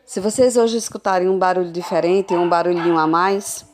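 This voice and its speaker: A woman teacher giving a recorded adult literacy lesson over a phone, sounding out syllables slowly and patiently. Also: fairly low pitch, darkish tone, slight background noise. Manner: slow, patient, drawn-out syllables.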